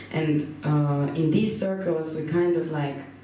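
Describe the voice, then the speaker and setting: A woman's very deep, low voice at a fairly slow pace, fairly even in intonation, with noticeable background noise and audible room echo. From Transylvania, Romania (Hungarian community). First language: Hungarian. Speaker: poet. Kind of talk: panel discussion.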